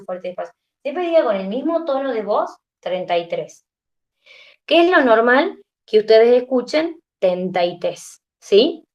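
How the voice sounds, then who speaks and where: A young adult woman teaching a class, tired, explaining step by step and often checking in with her students. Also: mid-range voice. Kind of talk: classroom lecture.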